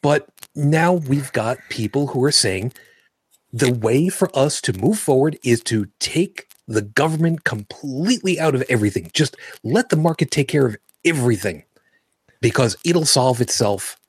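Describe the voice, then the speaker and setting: A man in his forties from New York, trading sarcastic jokes as a podcast co-host. His voice is husky and mid-pitched. The sound is dry and close, with no room around it. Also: lively intonation, normal speed, no echo. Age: 40s. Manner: sarcastic, joking. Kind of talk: casual political banter.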